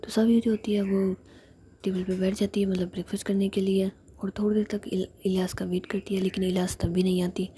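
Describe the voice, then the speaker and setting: A woman retelling a story in a steady, continuous whisper. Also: mid-range voice, fairly quick, a little hiss or hum.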